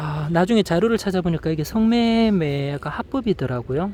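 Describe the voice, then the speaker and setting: There is lively intonation in this man's speech. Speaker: travel vlogger. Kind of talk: casual vlog monologue. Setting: outdoors on a park bench. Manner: halting, many fillers.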